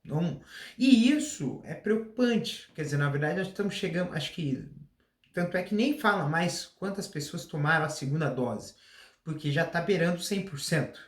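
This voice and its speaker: A man's voice: fairly high pitch, expressive, moderate pace, echoey room. A Brazilian man hosting a casual solo talk, rambling with restarts, a slight cough. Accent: Brazilian Portuguese. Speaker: podcast host.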